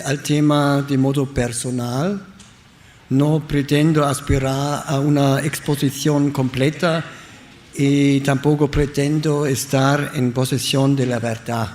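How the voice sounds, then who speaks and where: A German man speaking Spanish as a second language, reading a prepared lecture at a conference with careful, halting delivery. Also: mid-range voice, darkish tone, slight background noise. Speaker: guest speaker. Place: conference hall.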